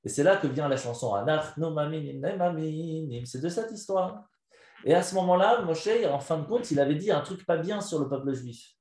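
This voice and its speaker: Animated male rabbi telling a story. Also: on the high side, fairly quick. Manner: animated storytelling, quizzes listeners. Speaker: rabbi teaching a class. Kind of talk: live Torah lesson told as a story. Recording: echoey room.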